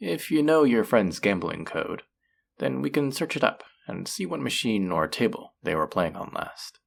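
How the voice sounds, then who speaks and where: A man voicing a flirty, possessive demon casino worker in a roleplay audio drama, teasing and taunting with seductive, drawn-out phrasing. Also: on the low side, big pitch swings, vocal fry, heavily acted. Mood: smooth, inviting. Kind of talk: scripted roleplay audio drama addressed to the listener.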